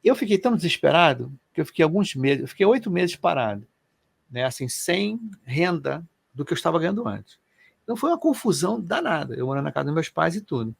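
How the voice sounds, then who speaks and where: Middle-aged guy, gravelly voice, kinda high, telling his story all animated and loose. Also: fast, no echo. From Brazil. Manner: animated, colloquial, emotional storyteller. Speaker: co-host. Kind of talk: personal storytelling in casual chat.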